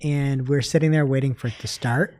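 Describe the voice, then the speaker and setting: Man telling a story, animated podcast co-host. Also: medium pitch, a little fast. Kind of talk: casual podcast chat.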